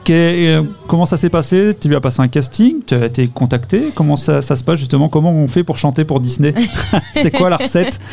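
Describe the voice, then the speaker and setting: A man's voice: on the high side, lively intonation, brisk, vocal fry, a little mellow, soft background music. A man hosting a live radio interview, chatty, laughing often and using many fillers. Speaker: radio host.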